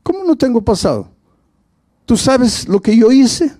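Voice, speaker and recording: Man putting on a high, pleading young woman. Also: sing-song, moderate pace, dark tone, heavily acted. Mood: anguished. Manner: high, pleading, emotional delivery. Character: young churchgoing woman ashamed of her past.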